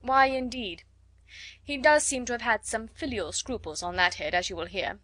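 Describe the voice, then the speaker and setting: A woman voicing a wry, teasing middle-aged gentleman who speaks in a calm, measured way in an audiobook. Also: on the high side, dry recording. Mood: dry. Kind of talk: audiobook character voice.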